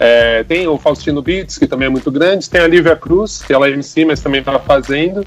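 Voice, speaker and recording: A man with a fairly high pitch and ordinary pitch variation speaks at a fairly quick pace while noticeable background noise carries on behind him. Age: 30s. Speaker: graphic designer and video director. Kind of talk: casual chat.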